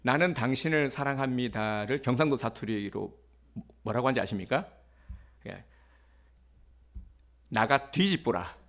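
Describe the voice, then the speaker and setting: A man's voice: mid-range voice, normal speed, a bit bright. A male pastor giving a sermon in a conversational way, with fillers, rhetorical questions and acted-out quotes.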